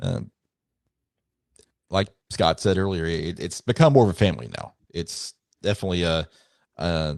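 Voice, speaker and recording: Against a quiet background, a man speaks at a very deep, low pitch with a dry, close sound and no echo. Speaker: high school football show host. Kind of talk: live show sign-off. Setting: live stream.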